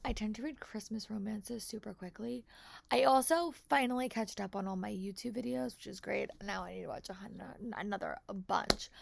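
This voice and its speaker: A young woman chatting casually in a book vlog, hoarse from a long day of talking at work, upbeat with lots of "like" and restarts. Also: medium pitch, fairly bright tone. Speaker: book vlogger. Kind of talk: casual vlog check-ins.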